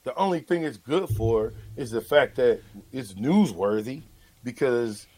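A man's voice: mid-range voice, animated, a little slow, mellow, no room sound, rough recording. A man hosting sports talk in a heated, emphatic and confrontational manner, repeating phrases for stress. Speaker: sports talk show host.

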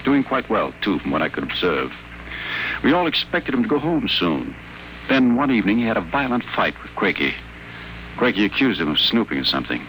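Deep, crisp, guarded man in radio drama. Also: very animated, brisk, fairly bright tone, rough recording. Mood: grave, confiding. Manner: dry, guarded, articulate. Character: wry, wary male sanitarium patient, recovering addict. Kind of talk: 1950s radio drama acting. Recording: old 1950 radio broadcast, faint noise.

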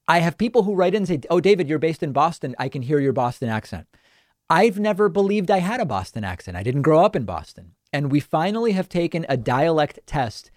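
Speaking into a studio microphone, this political talk show host from the northern United States offers brisk, emphatic, sarcastic remarks. His pitch is fairly high, his tone somewhat dark, and the recording is dry.

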